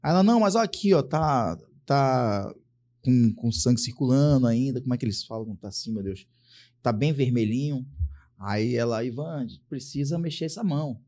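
A man from Brazil, a police sergeant guest on a casual podcast, telling stories in a lively way, acting out the voices of other people and swearing freely. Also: mid-range voice, normal speed. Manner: animated storyteller acting out dialogue, swears freely. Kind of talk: casual podcast chat, storytelling.

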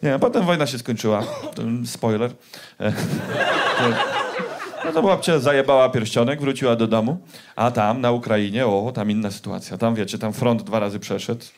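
A male stand-up comedian telling a story in a profane, animated way, in a noisy live recording. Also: medium pitch, normal speed.

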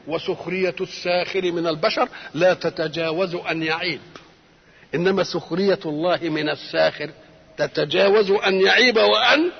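A man's voice: sits high, vocal fry, slightly rough, in a large hall, muffled recording. An older man with an Egyptian Arabic accent giving a Quran commentary lecture, who keeps asking rhetorical questions and answering them himself. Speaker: religious scholar.

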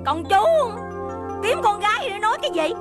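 An actress with a Southern Vietnamese accent playing a sharp-tongued, stubborn wife in a comic radio play, scolding and mock-threatening. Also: female voice, very high-pitched, big pitch swings, normal speed, music in the background.

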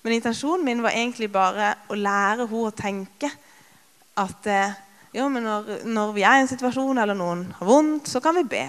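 A woman in her thirties giving a conversational sermon with personal stories, with many filler sounds, and lively when she retells scenes. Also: a little high. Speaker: preacher. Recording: long reverb of a large hall.

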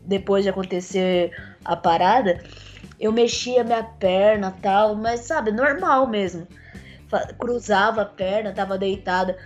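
An interviewee, a soft-spoken woman with a mid-range voice, gives an earnest personal account in conversation, halting often with fillers and restarts. Her voice remains slightly rough since a tracheostomy. The audio is lo-fi.

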